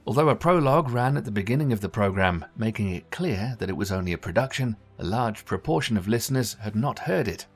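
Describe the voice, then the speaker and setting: A man reading a scripted documentary narration in a measured, even storytelling manner. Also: on the low side. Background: faint background music.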